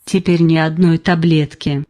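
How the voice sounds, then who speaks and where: Older woman in her nineties, patient interviewee, unhurried, plain short sentences. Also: low voice, fairly even intonation, warm tone. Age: 90s. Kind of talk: slow personal testimony.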